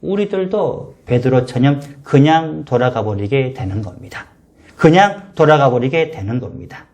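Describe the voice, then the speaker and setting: A man's voice: mid-range voice, lively intonation, normal speed, darkish tone. A male pastor preaching a sermon for a home worship service, earnest and emphatic, building to fervent appeals.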